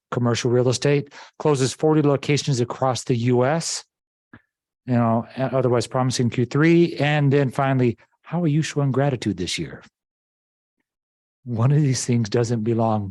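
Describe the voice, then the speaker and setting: A man speaking to a room of agents in a dry, close-sounding recording. He talks in an urging, upbeat way, mid-pitched and direct. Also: darkish tone, dry recording. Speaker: real estate office leader. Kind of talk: motivational team meeting talk.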